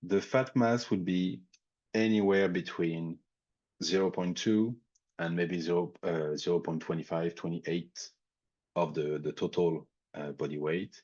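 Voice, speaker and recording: A man's voice: low-pitched, steady tone, unhurried, darkish tone, husky, highs cut off. A man with a French accent presenting a technical webinar, thinking aloud with frequent fillers and restarts. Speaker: industry expert presenting a webinar.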